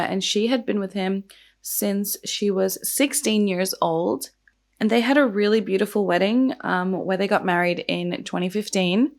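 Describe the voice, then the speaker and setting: A young woman chats casually to her viewers, dropping "like" into nearly every sentence. Her voice is croaky from the early hour and carries a steady gravelly fry, sitting at an ordinary middle pitch. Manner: chatty, lots of "like" fillers. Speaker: true crime and makeup vlogger. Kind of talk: casual chatty vlog.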